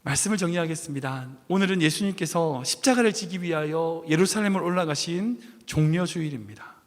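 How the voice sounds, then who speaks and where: A man's voice: a little high, fairly quick, in a large hall. A man preaching a sermon as pastor, telling a story and asking the congregation questions.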